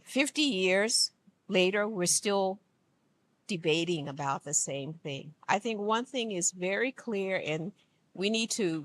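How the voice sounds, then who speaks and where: A woman from Liberia giving an earnest, emphatic speech at an event, speaking slowly. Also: lowish voice, a bit bright. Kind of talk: formal public speech. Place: conference room.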